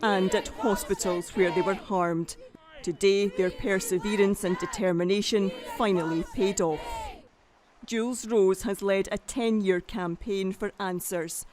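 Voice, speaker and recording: A woman's voice: mid-range voice, fairly even intonation, unhurried, a little mellow, a faint crowd, slight background noise. A woman narrating a scripted television news report.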